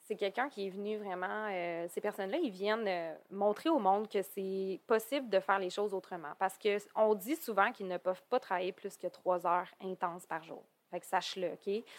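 A woman's medium-pitched voice in a Quebec accent, with ordinary pitch variation and a moderate pace. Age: 20s. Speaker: human design and astrology coach. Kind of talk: casual chat.

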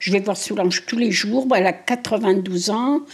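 This woman talks at a very slow pace with lively intonation. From rural central France, Faux-la-Montagne. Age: 70s. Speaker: retired villager. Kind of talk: casual chat. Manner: lively, colloquial.

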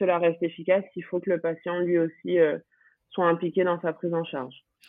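Here a woman talks in a normal speaking voice. Her pitch is fairly low, and her pace is moderate. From Guadeloupe. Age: 20s. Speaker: osteopath and long jump athlete. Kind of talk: podcast interview.

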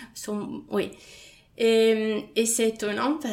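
A woman speaks with an Italian accent. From Italy. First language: Italian (speaking French). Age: 50s. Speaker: visual artist. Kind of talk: interview. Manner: halting, many hesitations.

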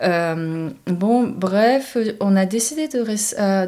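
Speaking with a Japanese accent is a woman. Noticeable background noise can be heard behind her. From Japan, Tokyo. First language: Japanese (speaking French). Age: 40s. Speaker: cookbook author and caterer. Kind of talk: interview. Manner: halting, many hesitations.

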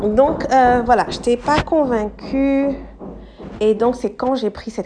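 A woman with an English accent speaks at a fairly slow pace in a dark, mellow tone. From Côte d'Ivoire (Abidjan), American mother. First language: English (speaking French). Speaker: Quran teacher and podcast host. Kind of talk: religious podcast monologue. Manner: halting, many fillers.

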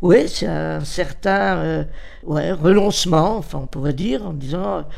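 A man with a fairly high pitch and lively intonation speaks at a fairly slow pace in a room with audible echo. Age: 80s+. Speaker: retiree interviewee. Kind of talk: interview.

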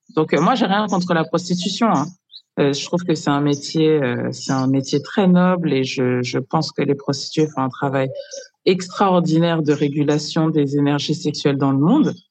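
Her voice very deep and low in pitch, a woman talks at a moderate pace with ordinary pitch variation and very even loudness. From Paris region, France. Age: 40s. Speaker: spiritual therapist and coach. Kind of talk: interview conversation.

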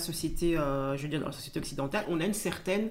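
Talking very fast at a fairly low pitch with ordinary pitch variation, a woman is heard with audible room echo and noticeable background noise. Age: 40s. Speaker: cosmetics entrepreneur. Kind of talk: casual chat. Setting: at home.

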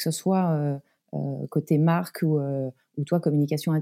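Recorded very cleanly against a silent background, a woman speaks with a dark, mellow tone. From Brittany, France. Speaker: podcast host and corporate communications manager. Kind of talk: interview.

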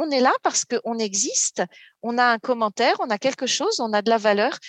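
A high-pitched woman speaks at a fairly slow pace in a dry, close recording with no echo. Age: 50s. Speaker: public speaker and job-search trainer. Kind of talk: podcast interview.

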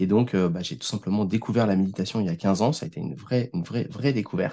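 Ordinary pitch variation marks the man's fairly low voice. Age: 40s. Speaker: meditation teacher and business founder. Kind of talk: casual chat. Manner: animated.

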